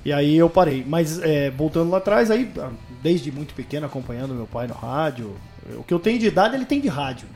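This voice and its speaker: A man's voice: a little high, big pitch swings, fairly quick, hardly any pauses, darkish tone, faint music behind. A man in his thirties from northern Paraná, a radio sports commentator talking as a podcast guest, telling his story at an easy pace and often ending phrases with a question tag. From northern Paraná, Brazil. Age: 30s. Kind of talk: casual podcast interview.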